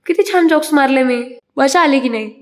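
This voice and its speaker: A woman's voice: sits high, natural voice. A woman voicing a boastful, playful young husband who insists and teases, in a retold story. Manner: teasing, insistent, quick repeated pleas. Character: boastful playful young husband, pleased with his own jokes.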